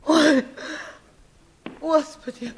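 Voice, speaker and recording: A woman's voice: high-pitched, steady tone, drawn-out words. A woman playing an anguished, pious old peasant mother in a radio drama, crying and wailing. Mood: anguished, pleading.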